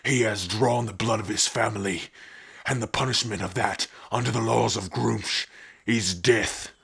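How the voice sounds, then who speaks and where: Man as Garak, a rough, rasping orc rebel. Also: on the low side, moderate pace, fairly bright tone, heavily acted. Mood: accusing, rousing. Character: Garak Steeljaw, loyal, blunt male orc rebel. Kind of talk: ASMR fantasy audio roleplay.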